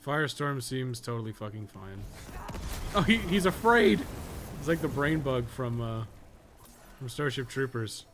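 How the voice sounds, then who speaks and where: Pausing often and speaking a little slowly, a man streams his gameplay with animated, swear-heavy, meandering commentary at mid-range pitch. He also co-hosts a podcast, and game sound and dialogue fill the noisy background.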